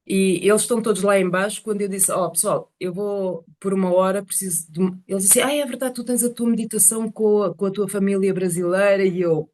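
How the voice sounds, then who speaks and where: A woman with a mid-range voice shares personal stories with a group over a video call. Her talk is casual and animated, and she often halts as she searches for the right words. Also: mid-range voice, fairly quick, hardly any pauses. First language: Portuguese is one of several languages spoken.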